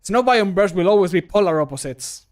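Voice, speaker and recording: A man's voice: sits high, lively intonation, brisk. A man voicing a cocky, punning older adventurer for video game lines, with a jokey, lightly taunting delivery. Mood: dry, punning. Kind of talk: game voice line takes.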